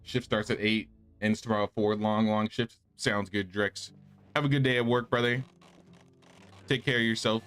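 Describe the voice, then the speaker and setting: A man's voice: fairly low pitch, fairly even intonation, moderate pace, a bit bright, soft background music. A man giving casual, laid-back, slangy commentary while livestreaming a game. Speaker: game streamer. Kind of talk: casual livestream gaming commentary, reading quest dialogue aloud.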